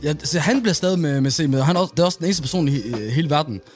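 A man's voice: a little high, soft background music. A young man co-hosting a casual podcast chat, telling stories with lots of laughter. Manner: animated, laughing, storytelling. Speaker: podcast co-host.

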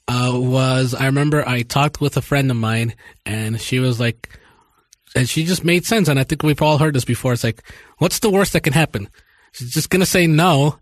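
A man's voice: on the high side, dry recording. A man co-hosting a casual podcast, talkative and reassuring in an easygoing way. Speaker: podcast co-host. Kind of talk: casual chat.

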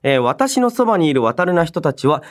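Animated man hosting a radio show. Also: on the high side, a little fast. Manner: expressive, swinging between emphatic reactions and softer asides; polite conversational phrasing. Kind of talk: solo radio talk reading listener mail and chatting.

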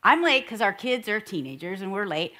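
A woman's voice: medium pitch, a little fast. A middle-aged woman and marriage speaker talking to an audience, teasing her husband and acting out her own lines. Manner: expressive, teasing, acts out her own quotes. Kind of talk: conversational teaching talk to an audience.

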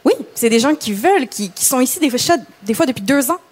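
A woman explaining immigration rules calmly on a TV panel. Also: high-pitched. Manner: measured, explanatory. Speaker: panel guest, immigration professional.

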